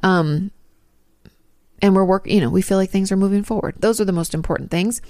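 A woman's voice: mid-range voice, fairly quick, mellow, no echo, studio quality. A woman in her thirties hosting her channel, answering viewer questions in a chatty, rambling way with asides and restarts. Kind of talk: casual advice talk.

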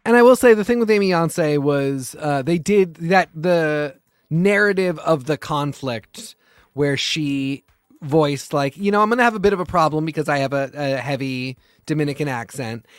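A male podcast co-host offers his take in a thoughtful, hesitant way, pausing and restarting as he works through his points. His voice is on the higher side and smooth. The recording is dry and close. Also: no echo, faint music behind. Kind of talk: casual chat.

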